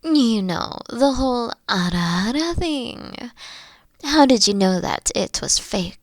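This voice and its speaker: Woman playing a slow, coy, mature queen. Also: on the high side, lively intonation, no echo, clean studio sound. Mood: candid, warm. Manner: slow, breathy, coy delivery. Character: mature regal queen, teasing, flirtatious, secretly protective. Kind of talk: roleplay audio acting.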